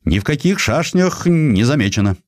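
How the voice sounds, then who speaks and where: A man voicing a dutiful military adjutant reporting crisply in an audiobook. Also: mid-range voice, sing-song, moderate pace, darkish tone, dry recording, studio quality, pitched above the performer's own voice, natural voice. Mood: businesslike. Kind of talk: audiobook character acting.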